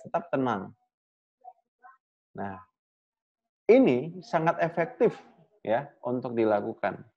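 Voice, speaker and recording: A man's voice: mid-range voice, a little mellow, muffled recording. A man who is a communication coach answers audience questions in a class, explaining at length, often checking in with "ya" and "nah" and pushing his voice up on key words. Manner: emphatic rises on key words.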